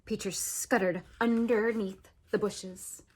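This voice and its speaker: A woman reading a children's story aloud as an animated narration, expressive, with dramatic swoops and pauses. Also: mid-range voice, husky. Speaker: storybook reader.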